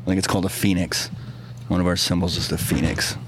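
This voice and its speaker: A man's voice: deep voice, little pitch movement, fast talker, background noise. A man co-hosting a radio show, chiming in with short joking remarks. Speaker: radio guest host, band member. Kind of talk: casual radio chat.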